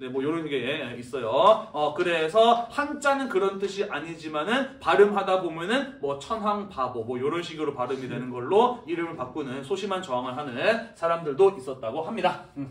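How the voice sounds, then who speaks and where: Loud, high-pitched man at a moderate pace, very wide pitch swings, hardly any pauses and noticeable background noise. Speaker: high school history teacher. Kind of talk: classroom lecture. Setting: classroom.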